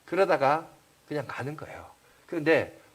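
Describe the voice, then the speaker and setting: A man talks with a Gyeongsang accent. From South Korea, Gyeongsangbuk-do (Uiseong). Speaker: pastor. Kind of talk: sermon.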